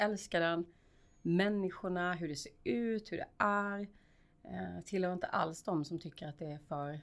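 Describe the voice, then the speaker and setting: Speaking fairly slowly, a woman uses a normal speaking voice at medium pitch with ordinary pitch variation. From Skåne, Lund. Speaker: coach and entrepreneur. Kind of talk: casual interview.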